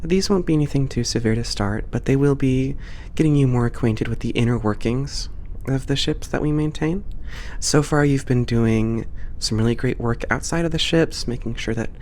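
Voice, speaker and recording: A performer with a mid-pitched voice playing a calm, supportive space port boss in a one-sided roleplay, reassuring and softly professional. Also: moderate pace, slight background noise, close to an everyday voice. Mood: encouraging. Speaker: ASMR roleplay voice actor.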